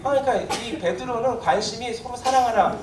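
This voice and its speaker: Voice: mid-range voice, brisk, background noise. A pastor preaching a sermon in a chatty, conversational way, often turning to the congregation with questions. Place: church sanctuary. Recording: echoey church hall, voice from a distance.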